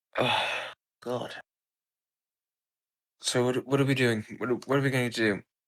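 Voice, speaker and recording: Using a put-on character voice, a man speaks raspily at medium pitch and a moderate pace, with long, frequent pauses. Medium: actual play. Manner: nervous.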